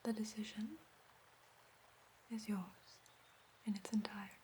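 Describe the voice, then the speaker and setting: A woman playing an ancient, gentle elf therapist in a whispered role-play, speaking softly, formally and solemnly in a breathy whisper. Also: medium pitch, flat delivery, unhurried, a little hiss or hum, lightly acted.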